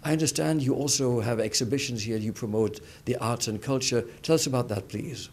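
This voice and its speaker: A man's voice: medium pitch, a little fast. A man hosting a TV interview show, asking questions in a formal, polite way, addressing his guest as sir.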